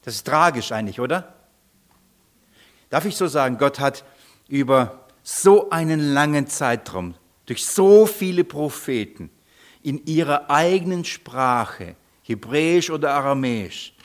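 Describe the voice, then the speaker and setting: Male preacher, lively sermon, questions to the listeners, fairly high voice. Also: unhurried. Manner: animated, repeats nonsense syllables to mimic foreign speech; asks the congregation questions.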